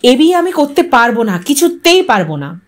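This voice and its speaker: A young bride, voiced by a woman narrator speaks in a high voice, firm and defiant. She is a principled character in an audio story, making declarations and standing her ground. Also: very animated, normal speed. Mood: resolute refusal.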